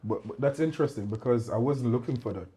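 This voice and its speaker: A man from Jamaica co-hosting a podcast, chatting casually and getting loud and animated when he tells a story. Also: mid-range voice, fast. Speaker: podcast co-host. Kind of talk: casual chat. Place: indoor podcast studio.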